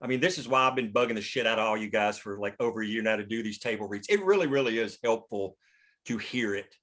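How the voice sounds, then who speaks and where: A man's voice: fairly low pitch, quick pace, fairly bright tone. A man talking casually and emphatically as a screenwriter, explaining his thinking in a rambling way. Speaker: screenwriter leading a script table read. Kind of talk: casual discussion.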